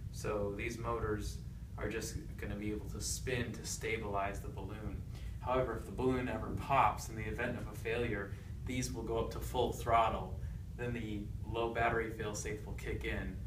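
A man speaks at a moderate pace. Noticeable background noise can be heard. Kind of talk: product demonstration. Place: classroom. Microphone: camera far.

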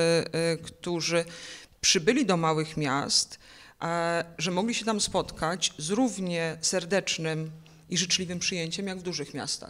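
Fairly low in pitch, a woman talks with ordinary pitch variation. Her pace is fairly slow. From small town near Warsaw, Poland. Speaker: sociologist and academic. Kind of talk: panel debate. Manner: hesitant, with repetitions. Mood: calm, thoughtful. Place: hall. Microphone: handheld.

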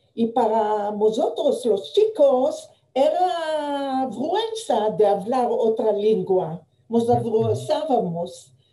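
With very even loudness and lively intonation, a woman speaks very slowly in a fairly high voice. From Israel, Tel Aviv. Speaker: heritage language activist. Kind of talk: interview. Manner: halting. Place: home room. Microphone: video call.

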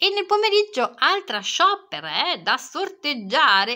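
A woman's animated, bright and sharp tone with very wide pitch swings. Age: 60s. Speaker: vlogger and knitting teacher; vlogger, knitting teacher. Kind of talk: casual vlog talk. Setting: at home. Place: home room.

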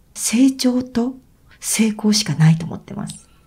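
Her medium-pitched voice shows very wide pitch swings as the woman speaks. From Hokkaido, Japan. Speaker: painter and author. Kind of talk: interview.

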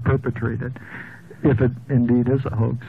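A man with an American accent, flat and monotone, at a moderate pace. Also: dry sound with no echo. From United States, Indiana. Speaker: radio talk show host. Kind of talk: live radio call-in talk show. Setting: radio studio, recorded 1973 broadcast. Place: studio. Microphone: old recording.

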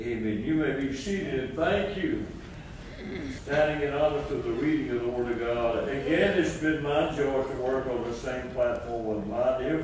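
A man speaks at a fairly slow pace with lively intonation. Strong room echo and noticeable background noise surround his voice. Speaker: preacher. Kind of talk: prayer then sermon. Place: church. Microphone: camera far.

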